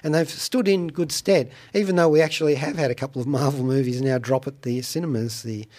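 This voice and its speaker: A man presents chatty radio commentary in a medium-pitched voice. His delivery is wry and playful, with deliberate phrasing and little theatrical asides. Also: a little mellow. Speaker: radio show host and reviewer. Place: radio studio.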